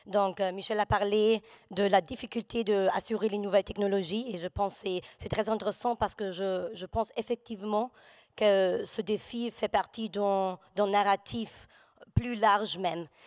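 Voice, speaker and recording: Speaking with a non-native accent, a woman uses a medium pitch and monotone, flat intonation at a fairly slow pace, in a dry, close sound with no echo. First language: not French (speaking French). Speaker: climate data executive. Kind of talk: panel discussion. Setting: stage with audience.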